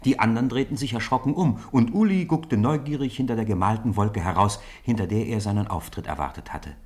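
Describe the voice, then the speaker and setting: A man's voice: fairly low pitch, fairly quick, darkish tone. A man narrating a children's radio play as a scripted storyteller.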